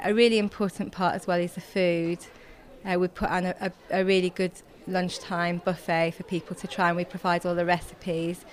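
A woman organizer explaining a program in a steady, informative way, with frequent fillers. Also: on the low side. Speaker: campaign organizer.

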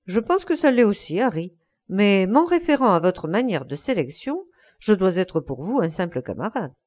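Earnest young painter, reflective, expressive melody , read by a woman. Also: mid-range voice, normal speed.

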